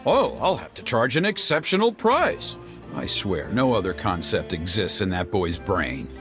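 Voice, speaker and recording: An actor playing an earnest, exasperated tribal man in a video game, with an expressive, grumbling manner. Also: fairly low pitch, normal speed. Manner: expressive, grumbling, mimics others mockingly. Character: earnest, exasperated tribal elder man organizing a fire ceremony. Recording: loud background music over voice. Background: music.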